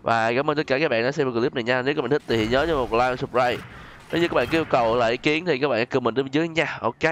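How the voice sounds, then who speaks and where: A man's voice: medium pitch, fast, a little hiss or hum. A man hosting a gaming video with casual, chatty gameplay commentary, exclaiming often and addressing viewers as friends. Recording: voice over loud game music and effects.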